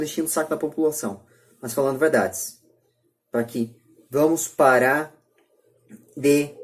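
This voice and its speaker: A Brazilian man hosting a podcast, giving opinions emphatically with repeated phrases and rhetorical questions. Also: fairly high pitch. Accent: Brazilian Portuguese. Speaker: podcast host.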